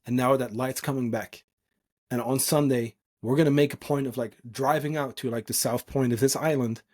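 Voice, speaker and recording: A native Dutch speaker from the Netherlands, this man talks at a medium pitch in an off-the-cuff, motivational solo style, like a podcasting coach. He's informal and earnest, emphasizing his points, with a steady, slightly mellow tone at normal speed.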